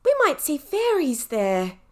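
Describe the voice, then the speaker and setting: A woman voicing eager, excited young children from a storybook, bubbly and exclaiming. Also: high voice, measured pace, voice pushed up.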